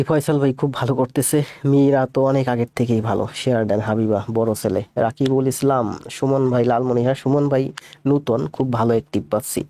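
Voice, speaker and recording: A man with a cold, speaking slowly and softly as he greets viewers before his live math class. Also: mid-range voice, dry recording. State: has a cold. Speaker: math teacher.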